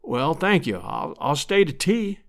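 A man's voice: on the high side, very animated, a little slow. A man voicing a plain-spoken, good-hearted country fellow home from out west, earnest and folksy, in a storybook. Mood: polite. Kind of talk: storybook character voice.

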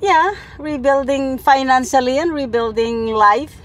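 An older woman who drives for a rideshare, chatting candidly and haltingly, often repeating her words. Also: fairly bright tone. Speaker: Uber driver being interviewed. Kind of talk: casual, candid chat while driving. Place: inside a moving car. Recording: rumbling car noise behind voice.

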